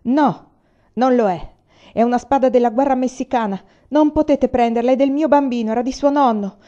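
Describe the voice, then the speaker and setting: A woman's voice: on the high side, normal speed, dark tone, dull audio, pitched above the performer's own voice, natural voice. A woman reading as a defiant young mother. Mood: indignant.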